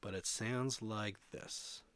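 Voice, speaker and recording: A man giving a casual software walkthrough as a music production tutorial presenter, thinking aloud informally as he demonstrates. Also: on the low side, fairly even intonation, slow pace, background noise.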